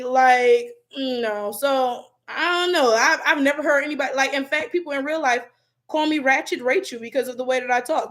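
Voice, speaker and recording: A woman's voice: on the high side, fairly bright tone. A woman with a Detroit accent chatting casually on a livestream, reading viewer comments aloud, loose and slangy, laughing often. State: voice cracking. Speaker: YouTuber reading live chat comments.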